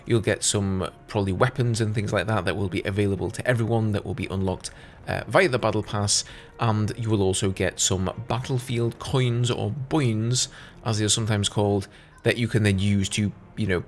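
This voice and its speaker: A man's voice: lowish voice, slight background noise. A man giving casual, conversational gaming news commentary as a YouTuber, explaining things as he goes.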